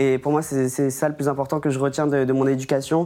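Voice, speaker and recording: Recorded very cleanly against a silent background, a man speaks at a moderate pace with a fairly high pitch. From Paris suburbs, Val-de-Marne. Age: 20s. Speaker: YouTuber. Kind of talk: casual interview. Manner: hesitant, many repetitions.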